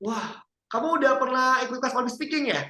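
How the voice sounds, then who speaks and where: A man gives an interactive public speaking lesson in an energetic, coaching manner. He keeps drawing in a participant with questions. His voice sounds roomy, with an echo around it. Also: extremely high pitch, quick pace. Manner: lively, coaching, asks the audience questions.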